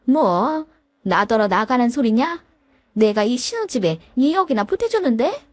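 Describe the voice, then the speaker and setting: A woman's voice: a little high, very animated, moderate pace, darkish tone, no echo. A woman voicing a domineering older mother-in-law who nags and threatens in a storybook tale. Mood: furious.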